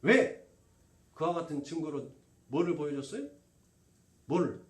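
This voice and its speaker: Questioning pastor in a roomy church. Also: male voice, fairly high pitch, animated, measured pace, distant mic. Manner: asks the congregation questions and answers them himself. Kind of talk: sermon. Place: church sanctuary.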